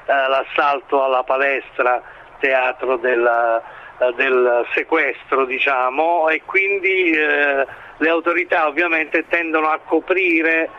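A man giving expert current-affairs analysis in an interview, speaking in a halting, hesitant way as he builds his points. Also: a little high, steady tone, dull audio. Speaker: expert commentator being interviewed.

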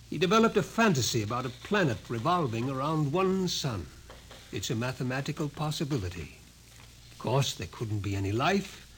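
Commanding, expressive scientist, noisy recording. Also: male voice, mid-range voice. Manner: authoritative, measured, probing. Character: commanding male scientist, coolly sardonic, explains things calmly. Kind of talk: 1950s radio drama acting. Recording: noisy old 1950s radio recording.

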